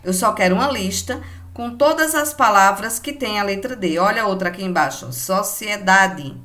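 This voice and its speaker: A woman's voice: medium pitch, normal speed, pushed and bright. A woman teacher with a Brazilian Portuguese accent, patiently giving a remote lesson to children and explaining each step in an affectionate way.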